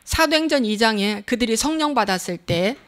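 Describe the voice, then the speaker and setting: Woman preacher, conversational sermon delivery, punchy repeated questions, voice on the higher side. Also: expressive, brisk, a bit bright. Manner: emphatic, repeating rhetorical questions; plain spoken, conversational preaching. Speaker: pastor.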